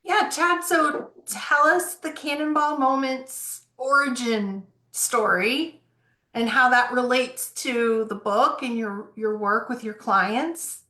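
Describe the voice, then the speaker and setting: A woman's voice: fairly high pitch, takes it slowly, sharp tone, roomy sound. A woman co-host asking the guest a question in an upbeat way.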